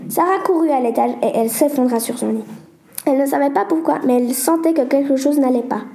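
A woman's voice: high-pitched, fast talker, creaky, warm tone, roomy sound, a little hiss or hum. A woman reading a children's story aloud in a plain, earnest way, with small stumbles. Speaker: reader.

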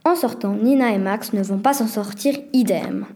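A woman's voice: mid-range voice, moderate pace, warm tone. A woman reading a children's adventure story aloud as narrator. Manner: plain storytelling.

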